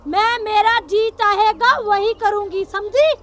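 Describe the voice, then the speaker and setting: Actress as an older rural headwoman mother-in-law, domineering and scolding, very high-pitched. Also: steady tone, takes it slowly, a bit bright, heavily acted.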